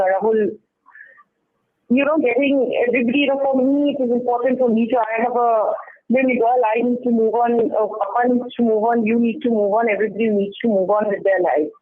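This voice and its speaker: A woman's voice: fairly high pitch, steady tone, a little fast. Indian-accented woman on a tinny phone line. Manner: repetitive, insistent, hedging with "you know". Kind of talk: phone conversation. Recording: tinny band-limited recorded phone call.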